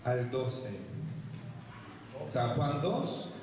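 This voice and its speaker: A man's voice: medium pitch, very animated, drawn-out words, a crowd in the background. A man from Chile interpreting a guest preacher phrase by phrase for the audience and adding short asides to them. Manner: repeats each phrase, adds brief asides to the audience. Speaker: interpreter and event host. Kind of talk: live sermon interpreting. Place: large hall with bare walls, indoors. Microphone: handheld mic, heard from a distant camera. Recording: echoey hall from far off.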